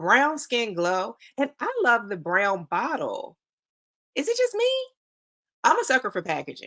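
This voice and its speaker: A woman's animated voice at a fairly slow pace, broken by long, frequent pauses. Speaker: lifestyle YouTuber. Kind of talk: casual live stream product showcase.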